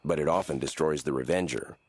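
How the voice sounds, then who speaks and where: A deep, earnest cartoon sidekick. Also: male voice, darkish tone, breathy edge, no echo, heavily acted. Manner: earnest, measured, lecturing. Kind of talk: cartoon voice acting.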